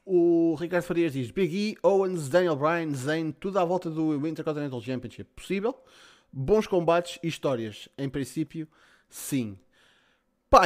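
Higher-pitched Portuguese man hosting a casual podcast. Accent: European Portuguese. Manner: informal, slangy, swearing. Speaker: podcast host. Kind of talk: casual chat, reading out and answering listener questions.

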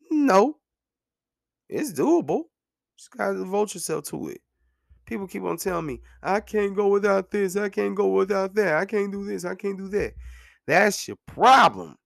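In a clean, dry studio recording, a man in his thirties speaks with a high-pitched voice and vocal fry. Casual yet earnest, he talks about his own experience as a podcast host, repeating phrases for emphasis and dropping "man" and "you know what I'm saying."

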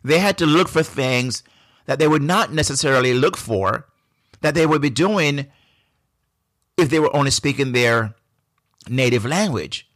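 A man's voice: mid-range voice, animated, fairly bright tone, dry recording. Jamaican man musing over a dry mic. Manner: reflective, unhurried, frequent restarts. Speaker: podcast host. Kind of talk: solo podcast monologue.

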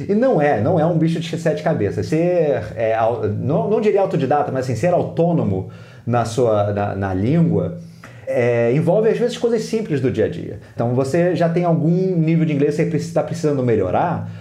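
A man's voice: a little high, big pitch swings, a little fast, warm tone, reverberant. A man with a Brazilian Portuguese accent, a teacher giving tips as a guest in a podcast interview, who acts out what students think. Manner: explanatory, acts out students' inner voices.

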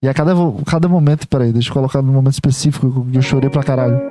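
A man's voice: medium pitch, fairly even intonation, rapid-fire, over music. Emotional, rambling man. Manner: emotional, rambling, self-deprecating, with frequent restarts. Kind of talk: casual reaction vlog.

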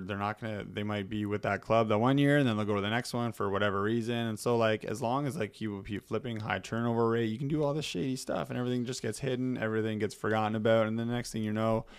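Low gravelly guy in podcast chat, halting and casual. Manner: halting, restarts often, laid-back slang. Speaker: podcast co-host.

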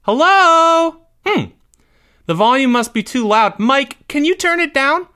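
A chirpy storybook mom, oblivious and breezy. The voice is very high, loud and clear, with a sing-song lilt. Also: male voice, sing-song, unhurried, full character voice. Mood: puzzled, breezy. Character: cheerful, oblivious middle-aged suburban mom.

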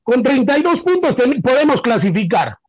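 High-voiced indignant Peruvian man, 60s. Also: very animated, moderate pace, dry recording. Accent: Peruvian Spanish. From Peru. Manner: indignant, lecturing, repeats himself. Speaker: radio sports pundit. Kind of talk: heated radio debate. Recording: dull lo-fi radio broadcast.

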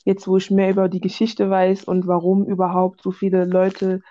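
A woman with a mellow, dark voice shares personal views in a casual discussion. She halts and reaches for words as she goes. The recording is dry and somewhat dull. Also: mid-range voice, completely flat delivery, no echo. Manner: halting, searching for words. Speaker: discussion participant.

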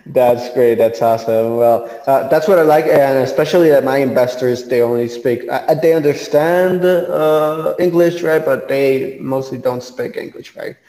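Polite, hesitant business owner, mellow tone, long room reverb. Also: male voice, mid-range voice, moderate pace, hardly any pauses. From Honduras. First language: Spanish. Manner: polite, hesitant, laughs often.

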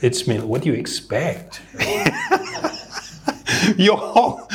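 A man who teaches yoga, giving an earnest, reflective spiritual talk and chuckling now and then. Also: fairly high pitch.

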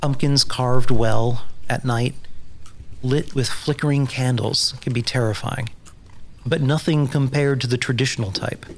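An actor playing a reflective, wry young vault dweller in an audio drama, speaking in a measured, pensive way. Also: male voice, medium pitch, fairly even intonation, slight background noise, close to an everyday voice.

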